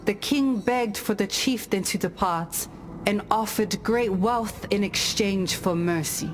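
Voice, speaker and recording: An actress playing a solemn tribal woman who tells ancestral fables in a measured, grave, deliberate way for a video game. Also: medium pitch, close to an everyday voice. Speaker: game character storyteller. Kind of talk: scripted storytelling of parables.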